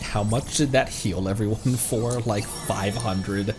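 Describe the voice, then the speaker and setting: A streamer with a fairly low voice speaks slowly, giving casual, playful live commentary while playing a video game over its music. Now and then he mimics lines from the game.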